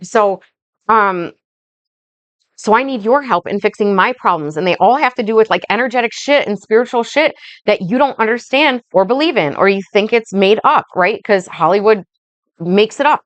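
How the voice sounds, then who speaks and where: A woman life coach rambling through a casual vlog monologue, slow and blunt, swearing freely and checking in with "right?" and "okay?". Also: mid-range voice, lively intonation, no room sound. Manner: speaks slowly.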